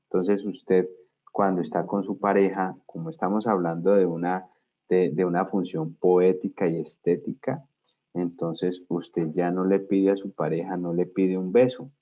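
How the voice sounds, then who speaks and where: A man's voice: low-pitched, level tone, unhurried. A man teaching a class, explaining step by step and often checking whether students follow. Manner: explanatory, asks students frequent check questions. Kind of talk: class lecture. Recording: dull lo-fi sound.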